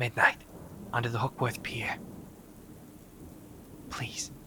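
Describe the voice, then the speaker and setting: Putting on a character voice, a man speaks softly and at a fairly slow pace, his medium-pitched voice raspy over clear background noise. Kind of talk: audio drama performance. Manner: soft, shaking, frightened.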